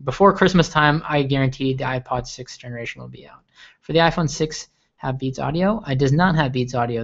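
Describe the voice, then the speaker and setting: A young man from Okinawa, Japan, hosts a live tech stream, answering viewer questions eagerly and at rambling length while often repeating words. His voice is medium-pitched and gravelly, and the livestream audio is lo-fi.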